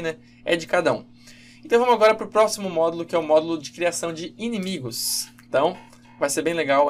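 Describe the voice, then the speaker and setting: A man giving a casual, halting screen-recorded programming lesson, with many fillers and self-corrections. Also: a little high, slight background noise. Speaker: game development instructor.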